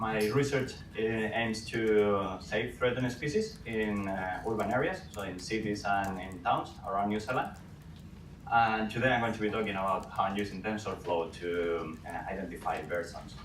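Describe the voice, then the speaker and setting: A man with a Spanish accent speaks at a moderate pace and a fairly low pitch, with fairly even intonation. Audible room echo and noticeable background noise surround him. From Spain. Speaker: ecology PhD researcher. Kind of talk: conference presentation.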